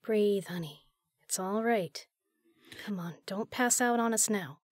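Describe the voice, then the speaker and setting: A woman's voice: mid-range voice, unhurried, no room sound, studio quality, lightly acted. An actress playing a tough, commanding but caring female spy in an intimate audio drama. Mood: soothing.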